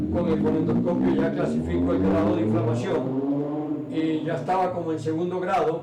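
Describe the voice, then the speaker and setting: A man's voice swings very widely in pitch, with audible room echo and noticeable background noise. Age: 70s. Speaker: veterinarian. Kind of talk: interview talk. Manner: hesitant fillers.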